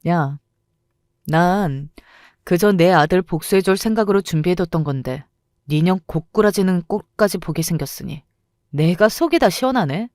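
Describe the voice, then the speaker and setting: A furious mother, voiced by a woman hits back at her former bully with cold, cutting words. Her voice is lowish and close, with a dry sound in an audio storybook. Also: expressive, moderate pace, a little mellow, no room sound, close to an everyday voice. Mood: cold fury. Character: furious mother taking revenge on old bully.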